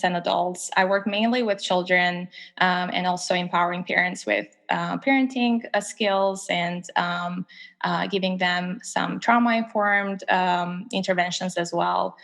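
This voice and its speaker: Young woman from albania, low gravelly voice, hesitant, reverby. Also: fairly bright tone. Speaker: guest therapist. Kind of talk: podcast interview.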